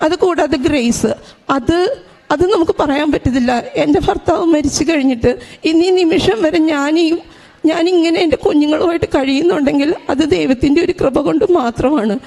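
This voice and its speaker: A middle-aged woman giving a religious testimony, telling her story in an earnest, halting way. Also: high-pitched, creaky, mellow. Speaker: testimony giver.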